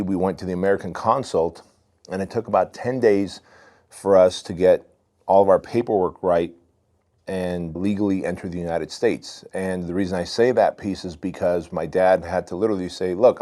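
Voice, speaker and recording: Deep-voiced man telling his story. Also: a little mellow. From Armenia. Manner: candid, loose, says "man" a lot. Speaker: podcast guest. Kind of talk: casual storytelling.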